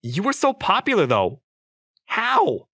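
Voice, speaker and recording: A man's voice: high voice, wildly swooping pitch, slow, sharp tone, husky, dry recording, studio quality, exaggerated voice. A young man playing an awkward, self-doubting single guy in a manga dub, with a wry, self-questioning manner. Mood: surprised. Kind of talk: manga dub acting and narration. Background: music.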